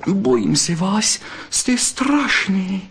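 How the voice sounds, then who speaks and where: A man's voice: high voice, lively intonation, creaky, a bit bright, breathy edge, voice pushed up, full character voice. A man voicing a shy, frightened young female vixen in a storybook reading, pleading and trembling. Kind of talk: audiobook reading.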